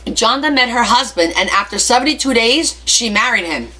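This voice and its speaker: Chatty, lively woman livestream host. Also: fairly high pitch, normal speed, poor audio. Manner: chatty, animated, addresses viewers. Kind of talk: casual livestream chat.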